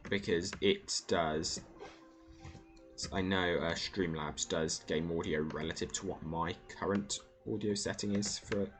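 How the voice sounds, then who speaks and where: A man's voice: sits low, fairly even intonation, unhurried, a bit bright, faint music behind. A man streaming a video game, thinking aloud in a casual, rambling way with many fillers. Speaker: gaming streamer. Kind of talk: casual gameplay commentary.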